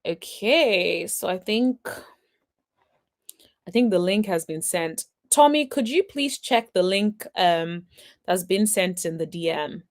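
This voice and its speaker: A woman's voice: mid-range voice, lively intonation, takes it slowly. A woman hosting a casual recap vlog, talking in a chatty, opinionated way and asking rhetorical questions. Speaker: celebrity gossip recap host.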